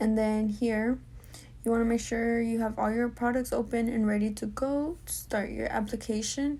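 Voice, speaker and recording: A woman speaks in a fairly high pitch with a dark, mellow tone that is somewhat breathy. Her pace is moderate and her intonation monotone and flat. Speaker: nail technician. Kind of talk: tutorial voiceover. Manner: halting, stumbling.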